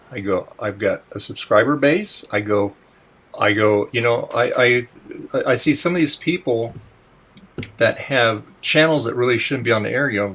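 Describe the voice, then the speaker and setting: A man speaks in an unremarkable speaking voice at a moderate pace. His pitch sits in the middle range, with ordinary variation. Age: 60s. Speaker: vintage computer youtuber, stream host. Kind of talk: casual chat.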